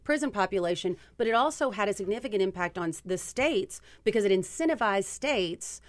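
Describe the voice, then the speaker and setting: A woman's voice: medium pitch, lively intonation, fairly quick, no room sound. A middle-aged woman from Kentucky with a Kentucky accent, earnestly explaining policy figures as a guest on a talk radio show.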